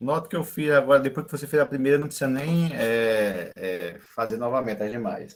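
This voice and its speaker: In a normal speaking voice, a man talks at a moderate pace and fairly high pitch, with lively intonation and hardly any pauses. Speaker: statistics professor. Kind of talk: online lecture tutorial.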